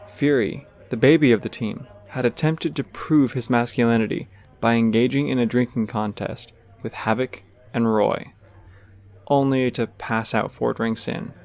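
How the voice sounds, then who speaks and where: A man's voice: medium pitch, darkish tone. A man giving scripted third-person narration for an audio drama.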